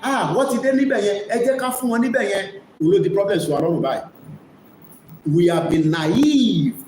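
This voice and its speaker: A man's voice: sits high, animated, fairly quick, a little mellow. A man with a Nigerian Yoruba accent hosting a live commentary, speaking emphatically and repeating key phrases. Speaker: host of an online media broadcast. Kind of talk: live commentary mixing two languages. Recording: echoey room with faint noise.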